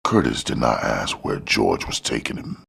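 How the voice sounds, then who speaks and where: Male narrator for gritty crime audiobook: creaky, rumbling bass, animated intonation. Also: normal speed. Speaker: audiobook reader. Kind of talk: scripted narration of a crime novel.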